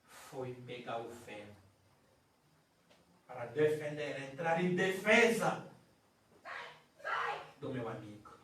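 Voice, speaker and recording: A male preacher tells his testimony in a slow, high voice that climbs and falls sharply. He moves from shouting to near-whispers. The sound comes from far off in a very echoey church hall. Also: slight background noise. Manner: swings between shouting and hushed telling. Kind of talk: sermon testimony. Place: church sanctuary.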